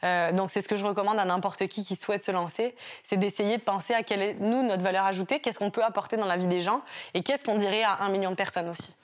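Young woman guest, hybrid French-Québécois accent, lively storyteller. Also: mid-range voice, quick pace, hardly any pauses. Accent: mix of French and Québécois. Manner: animated storytelling, acts out quotes. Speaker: YouTuber guest. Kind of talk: casual interview talk.

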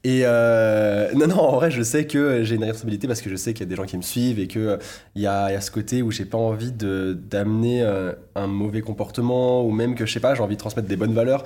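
A man's voice: on the low side, fairly even intonation, fast, warm tone. A young man, a YouTuber talking through an interview with many fillers and restarts. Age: 20s. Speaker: YouTuber guest. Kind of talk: casual interview chat.

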